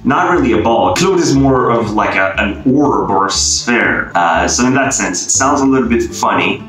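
A young man with a Swedish accent doing a casual quiz vlog, playful and laughing often as he sounds words out slowly, recorded on a webcam in a small bare room. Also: medium pitch, expressive, fairly bright tone. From Sweden. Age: young adult. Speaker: YouTuber. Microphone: webcam framing, head and shoulders. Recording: echoey bare room, faint guitar music.

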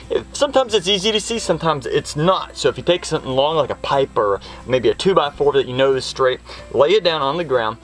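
A man's voice: mid-range voice, a bit bright. A middle-aged man hosting a home improvement lesson, explaining practical steps in a plain-spoken, instructional way. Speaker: host of a home improvement how-to show. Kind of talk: instructional how-to explanation to camera.

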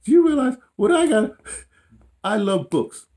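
A man in his late sixties or so, chatting casually about his life as an animated storyteller who often repeats phrases and quotes himself. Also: high-pitched, measured pace. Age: 60s or 70s. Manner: animated storytelling with frequent repetition and self-quoting. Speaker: audio dramatist telling his life story. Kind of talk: casual reminiscing chat. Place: small room at home, indoors.

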